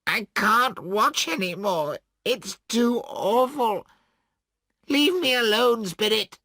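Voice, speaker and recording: Man voicing an old miser, anguished, high strained pleading, slow delivery. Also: lively intonation, gravelly, sharp tone, no echo, exaggerated voice.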